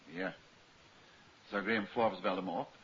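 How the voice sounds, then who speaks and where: An actor playing a composed, courteous, faintly wry detective in a 1950s radio drama. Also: male voice, low voice, steady tone, a little slow, fairly bright tone. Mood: businesslike. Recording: muffled, hissy old radio recording.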